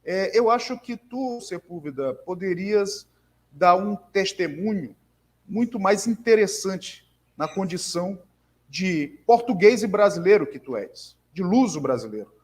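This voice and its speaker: Brazilian guy, kinda high voice, lots of um um and restarts, earnest. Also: lively intonation. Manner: halting, many repeated fillers and restarts; earnest, emphatic convictions. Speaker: conversation partner, bookseller. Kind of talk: conversational discussion.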